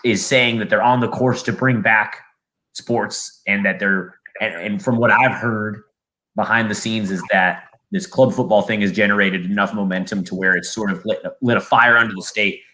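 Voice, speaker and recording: Young SoCal guy, podcast guest, low and bright voice, rambling, loose and casual. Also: fairly even intonation, moderate pace, poor audio. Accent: Southern California. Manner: rambling, full of fillers and restarts. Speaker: football play-by-play announcer and podcast guest.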